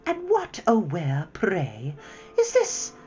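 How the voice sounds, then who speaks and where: Woman doing a soothing, half-mocking witch queen for a storybook, slow and lilting, lively swoops in pitch, slightly dull recording with faint music. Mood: coaxing. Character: coaxing, half-mocking enchantress queen, sweetly menacing.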